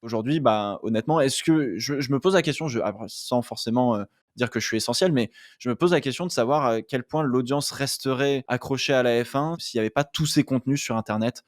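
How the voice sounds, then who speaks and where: A man's voice: mid-range voice, a little fast, few pauses, dry recording. Late-20s man, thoughtful guest, casual and hesitant, close dry mic. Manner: thoughtful, many fillers and restarts. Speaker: guest, content creator. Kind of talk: casual interview talk.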